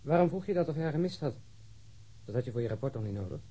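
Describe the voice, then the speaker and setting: A man's voice: mid-range voice, expressive, racing, warm tone, breathy edge. An actor playing a weary, sarcastic male police detective who needles his colleagues in a Dutch radio crime drama. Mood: dry amusement. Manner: sardonic, mocking.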